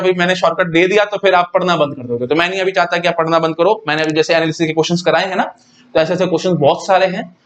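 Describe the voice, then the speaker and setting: A man teaching a computer science lesson in a chatty, repetitive style, often calling his students "brother". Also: fairly high pitch. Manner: chatty, repeats words, often addresses listeners as brother. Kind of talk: casual lecture to students.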